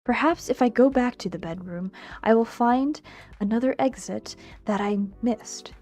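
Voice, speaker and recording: A woman voicing a prim, wry young villainess from a visual novel, with formal, measured diction. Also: on the high side, darkish tone, close to an everyday voice. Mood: puzzled. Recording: music behind the voice.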